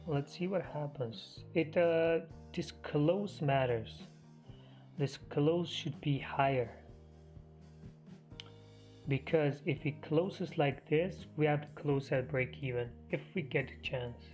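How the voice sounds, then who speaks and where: A man hosting a live trading stream, half losing his voice, talking through the market in a halting, think-aloud way. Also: a little high, a little mellow. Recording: muffled stream audio with faint music.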